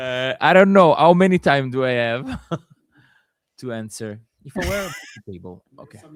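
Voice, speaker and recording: A man with an Italian accent, very wide pitch swings, big shifts in loudness, and long, frequent pauses. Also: medium pitch for a man, moderate pace. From Italy. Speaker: band musician. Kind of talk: casual interview chat.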